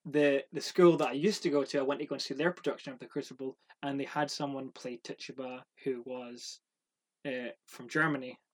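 A man with a softened Scottish accent, co-hosting a casual podcast chat, talkative and quick to laugh and swear. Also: mid-range voice, steady tone. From Scotland. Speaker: podcast co-host.

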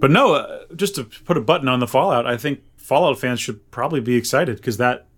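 A man with a medium-pitched voice co-hosts a casual podcast. He talks in a loose, rambling way and offers his opinions conversationally, as if catching up with a friend. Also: fairly quick, slightly rough. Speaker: podcast co-host. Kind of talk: casual chat.

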